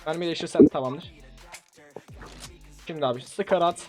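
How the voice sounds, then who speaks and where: With faint music in the background, a young man with a slightly high voice commentates a shooter game for his YouTube channel at a moderate pace. His excited gameplay talk is playful and teasing, punctuated by bursts of laughing shouts.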